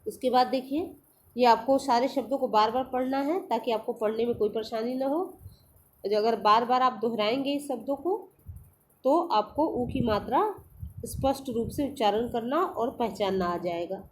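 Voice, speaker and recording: A woman's voice: on the high side, normal speed, a little hiss or hum. A woman teacher leads a reading lesson for young children. She sounds out each syllable and then says the whole word.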